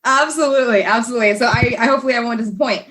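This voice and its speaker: A woman's voice: fairly high pitch, racing, a bit bright. A woman from Texas, a podcast guest telling her life story in an earnest, chatty way with many fillers. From Texas, USA.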